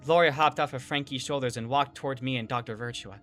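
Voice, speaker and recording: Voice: mid-range voice, fast talker, fairly bright tone, faint music behind, close to an everyday voice. A performer playing an anxious, wry young survivor woman, narrating and speaking in a first-person audio drama. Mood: tense, wry.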